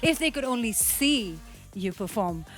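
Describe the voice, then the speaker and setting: A woman hosting a radio show in a studio, effusive and excitable, giggling often. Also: on the high side, a little slow, soft background music. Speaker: radio host.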